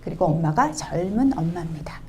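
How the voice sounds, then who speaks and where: A woman's voice: fairly low pitch, a little fast, slight background noise. A middle-aged woman giving a public lecture on picture books to parents, asking the audience questions and acting out quotes. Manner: lively, asks the audience questions, acts out quotes. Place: community event hall.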